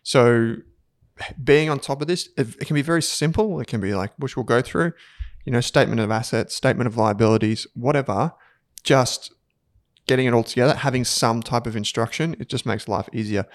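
Relaxed man, dry close sound. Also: medium pitch, brisk, no room sound. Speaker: podcast co-host. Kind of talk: casual finance podcast chat.

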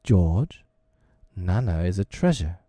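A man voicing a gentle, tender mother in a storybook, speaking softly and soothingly. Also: deep voice, lively intonation, slow, no room sound, full character voice. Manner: soft, soothing. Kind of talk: storybook character reading.

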